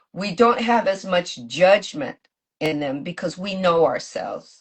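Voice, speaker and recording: With lively intonation, a woman with a somewhat breathy, medium-pitched voice speaks at a fairly slow pace. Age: 60s. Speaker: podcast host. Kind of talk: casual interview chat. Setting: live-streamed video call. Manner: halting, many restarts.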